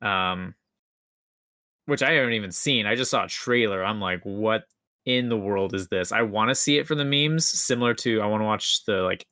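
A man's voice: on the low side, normal speed, sharp tone, clear, resonant tone, dry recording, studio quality. A young man podcast co-host chatting casually in an enthusiastic, rambling, slangy way. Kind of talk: casual chat.

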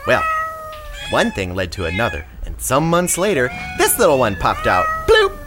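A man's voice: medium pitch, wildly swooping pitch, moderate pace, over music. A man voicing an eccentric middle-aged woman who collects cats, cooing and gushing in a comic audio drama. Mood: rambling story. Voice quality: gushing, sing-song cooing. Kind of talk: comedic audio drama acting.

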